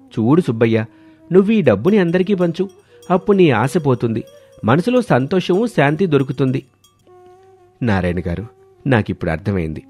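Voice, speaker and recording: A man acts out an earnest villager from a storybook moral tale. He speaks deliberately, like someone teaching a lesson, at a middling pitch. Music plays behind him. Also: sing-song, mellow, slightly rough. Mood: subdued, troubled. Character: villagers in a moral tale: greedy farmer and wise elder. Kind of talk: acted dialogue in a Telugu moral story.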